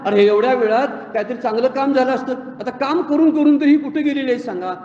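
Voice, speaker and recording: A man gives a devotional talk on scripture in a high, ringing voice. He tells homely stories and keeps asking his listeners questions. The sound is roomy and echoing, with a long hall tail and a slightly dull, muffled tone. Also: brisk, dark tone. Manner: folksy storytelling with rhetorical questions. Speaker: spiritual discourse speaker.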